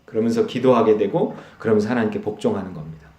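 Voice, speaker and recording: A man's voice: lowish voice, quick pace, reverberant. A man preaching a Sunday sermon as pastor, telling stories and acting out quoted dialogue, with frequent laughs. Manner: animated storytelling, acts out quoted dialogue, laughs often. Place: church sanctuary.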